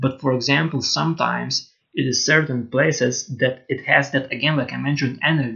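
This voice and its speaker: A man's medium-pitched voice with vocal fry, fairly even intonation, a fairly quick pace and hardly any pauses. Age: 20s. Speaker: religious podcast host. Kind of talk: solo religious monologue. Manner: halting, many fillers and repetitions.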